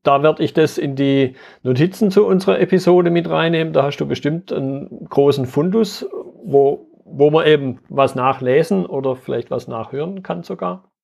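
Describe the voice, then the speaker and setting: A man's voice: on the high side, normal speed, gravelly, darkish tone. A man hosting a podcast interview, asking reflective questions and summarizing his guest's points. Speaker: podcast host.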